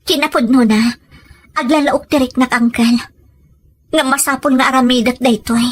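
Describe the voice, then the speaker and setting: A woman playing an anxious, sincere older sister in an audio drama, with earnest, emotional, breathy delivery. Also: sits high, fairly even intonation, normal speed. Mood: apprehensive. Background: background music.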